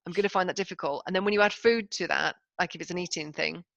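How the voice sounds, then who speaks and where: A woman's voice: fairly low pitch, fast talker, creaky, a bit bright, dry recording, highs cut off. A woman speaking as a podcast guest, candid, emphatic and self-deprecating in casual conversation. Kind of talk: candid casual interview talk.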